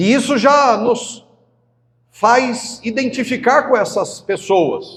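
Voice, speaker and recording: A man with an extremely high pitch speaks very slowly. His pitch varies in an ordinary way. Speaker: pastor. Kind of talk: sermon.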